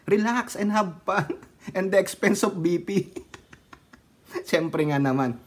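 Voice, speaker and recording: Speaking slowly in a high-sitting voice, a Filipino-accented man vlogs political commentary. The tone is sarcastic and casual, punctuated by frequent laughter and snippets of song.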